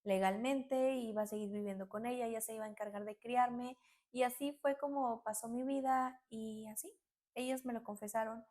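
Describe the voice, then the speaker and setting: A woman narrating a personal story in an animated way, acting out quotes. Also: on the high side, moderate pace. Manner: animated, acts out quotes, many fillers.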